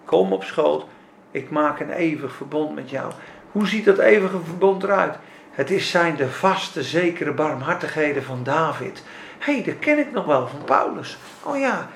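Gravelly, high-pitched male preacher, fervent, swinging loud and soft. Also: roomy sound, a little hiss or hum. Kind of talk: sermon.

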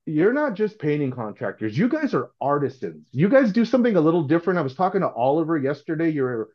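A man's voice: on the high side, very animated, quick pace. A middle-aged man, a podcast guest talking casually and earnestly, often restarting his sentences. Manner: earnest, rambling, with frequent restarts. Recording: dull, lo-fi sound.

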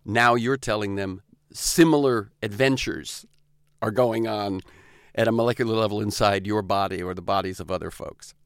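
A man hosting a science podcast, moving between scripted narration and interview chat in a measured, scripted way. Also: lowish voice, fairly bright tone, clean tone, no room sound, clean studio sound. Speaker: podcast host.

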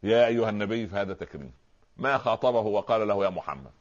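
A lower-pitched man with an Egyptian Arabic accent, talking very fast as he explains religious terms on a talk show. He keeps asking rhetorical questions to draw his listener in. The sound is dull and lo-fi. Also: expressive. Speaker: Islamic preacher, guest scholar.

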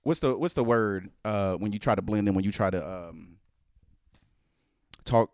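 A man's voice: on the low side, measured pace, dry recording, studio quality. A middle-aged man with an African American accent chatting casually, speaking emphatically with repetition and swearing. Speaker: panelist in a group discussion. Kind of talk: casual chat.

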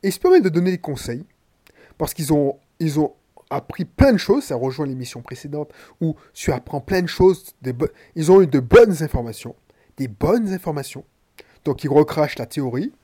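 A man's voice: fairly high pitch, lively intonation, normal speed, dark tone, husky. A man from Martinique with a head cold, a podcaster and coach talking bluntly and slangily straight to the listener in a casual monologue.

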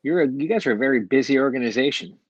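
A man's voice: medium pitch, animated, quick pace, slightly rough, dry recording. A man hosting an interview over a bad internet connection that keeps breaking up. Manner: checking the line, asking to be heard. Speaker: interview host. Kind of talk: casual interview chat. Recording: dull distant broken-up internet call.

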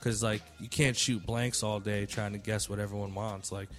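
Low-pitched man chatting casually, music behind. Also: level tone, normal speed. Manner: slangy, conversational, swears freely. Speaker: music producer hosting a panel Q&A. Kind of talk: casual chat.

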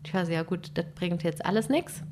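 A young woman telling a story in casual chat, animated and exasperated, acting out what people said. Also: fairly low pitch, a little fast, a little hiss or hum. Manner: animated, exasperated retelling with acted-out quotes.

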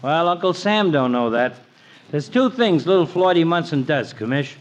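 Man playing folksy higher-voiced barber. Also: lively intonation, moderate pace, natural voice. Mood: wry, joking. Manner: folksy, joking. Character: folksy wisecracking small-town male barber, cheerful and easygoing. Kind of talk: 1950s radio sitcom acting. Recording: noisy vintage 1950s radio recording.

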